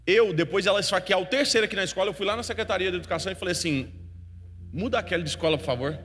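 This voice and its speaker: Emotional preacher in a reverberant hall. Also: male voice, sits high, very fast. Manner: emotional storytelling, swings from hushed to loud. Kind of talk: sermon storytelling. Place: church hall. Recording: long hall reverb with faint music.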